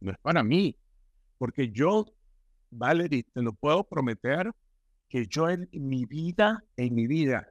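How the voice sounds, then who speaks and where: A man's voice: medium pitch, animated, a little slow, dry recording, muffled recording. A man as a podcast guest, telling stories emphatically and repeating himself. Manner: emphatic, repetitive storytelling. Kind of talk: casual spiritual conversation.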